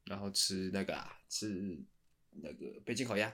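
Low, bright-voiced man, very animated. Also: moderate pace, creaky. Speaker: podcast co-host. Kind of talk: casual chat.

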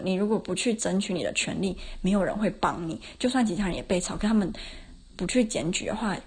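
Her voice sits lowish, husky with a touch of mellowness. She's a podcast host in her twenties, running a relaxed solo show full of self-deprecating anecdotes and frequent laughs.

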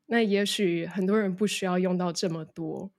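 A woman's voice: on the low side, fairly even intonation, moderate pace, a little mellow. A woman English coach speaking Mandarin with a slight English-influenced accent, explaining in an interview and dropping in English words. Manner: mixes English words into Mandarin, demonstrates phrases.

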